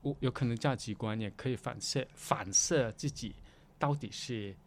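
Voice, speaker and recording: A man speaks in a medium-pitched voice. He talks casually as a guest, circling back over phrases and restarting often. English words slip into his sentences. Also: slight background noise. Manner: halting, repetitive, mixing English words into Mandarin. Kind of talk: casual conversational interview.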